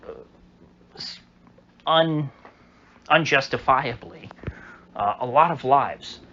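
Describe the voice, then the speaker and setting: A man's voice: mid-range voice, pushed and bright. A man giving casual solo commentary, rambling and hesitant, full of fillers and restarts. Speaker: political commentator. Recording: dull lo-fi audio with faint hiss.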